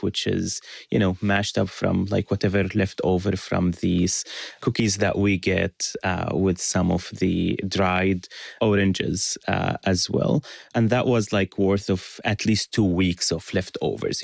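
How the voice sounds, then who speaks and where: A man from Syria, an author being interviewed on radio, speaking reflectively with many fillers and pauses. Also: sits low, creaky, darkish tone, no room sound.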